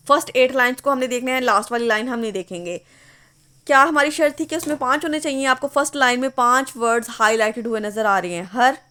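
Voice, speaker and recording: A woman's voice: a little high, sharp tone. A woman giving an online English literature lesson, explaining patiently and reading words out one at a time. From Pakistan. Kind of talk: online lecture.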